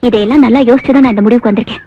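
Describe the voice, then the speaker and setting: An actress playing a steady, earnest young village woman who speaks firmly and reassuringly, in a dull film recording with music behind. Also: a little high, rapid-fire, close to an everyday voice. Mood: encouraging. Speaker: heroine. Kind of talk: 1990s film dialogue.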